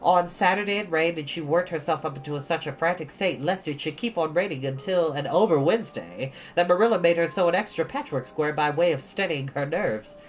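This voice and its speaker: A woman reading a children's classic aloud as an expressive storybook narrator. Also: low-pitched, fairly quick, few pauses. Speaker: storytime reader. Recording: dull, lo-fi, faint background noise.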